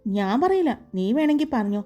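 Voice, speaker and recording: A woman's voice: a little high, very animated, brisk, mellow, highs cut off, faint music behind. A woman reading the lines of a stubborn, complaining young man in a storybook narration. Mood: grumbling.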